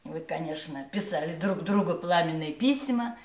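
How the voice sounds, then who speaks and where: A woman's voice: low-pitched, moderate pace. An actress playing a sardonic, mocking woman in an audio drama, with sarcastic theatrical emphasis. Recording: roomy, echoing studio sound.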